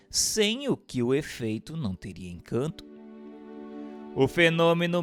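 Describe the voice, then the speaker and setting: A Brazilian man reading a book aloud as scripted narration, in a formal, measured, didactic way with emphatic phrasing. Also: fairly high pitch. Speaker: reader of a book. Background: instrumental music.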